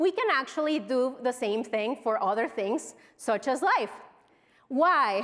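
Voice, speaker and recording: In a Mexican accent, a woman speaks at a high pitch with lively intonation. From Mexico. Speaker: product executive. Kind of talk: conference keynote. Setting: stage with audience. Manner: halting.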